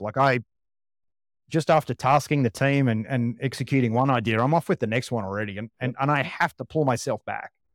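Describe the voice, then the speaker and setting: In a very clean recording with a silent background, a man with an ordinary speaking voice at medium pitch talks at a fairly quick pace, the sound dry and close with no echo. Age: 50s. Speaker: former fighter pilot and entrepreneur. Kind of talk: casual interview conversation.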